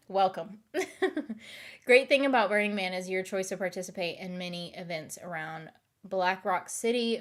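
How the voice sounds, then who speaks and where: Chatty woman with a light Southern accent. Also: lowish voice. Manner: rambling, giggly, restarts and overthinks aloud. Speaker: live streamer. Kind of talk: casual chat with stream viewers.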